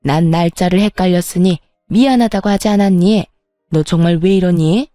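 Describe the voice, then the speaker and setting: A woman's voice: on the low side, moderate pace, warm tone, no echo, studio quality, faint music behind, lightly acted. A woman voicing a scheming, spiteful older mother-in-law who mocks and puts on a show of innocence. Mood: feigned fear. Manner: mocking, then falsely wailing.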